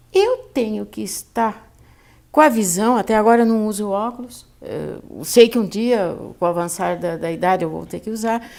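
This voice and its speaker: A woman speaks in a plain, everyday voice at a fairly high pitch. She keeps a moderate pace. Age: 60s. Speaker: psychology professor. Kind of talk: interview.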